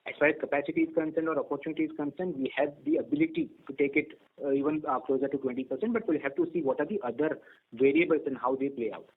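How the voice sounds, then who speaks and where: A man's voice: a little high, big pitch swings, racing, slightly rough. Indian man on a tinny phone line. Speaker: company executive. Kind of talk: answering questions on an earnings call.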